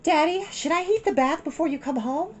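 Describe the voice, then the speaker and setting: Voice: high-pitched, brisk, pitched above the performer's own voice, lightly acted. A storyteller voicing an earnest, responsible older-sister girl in a children's story. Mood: eager, helpful.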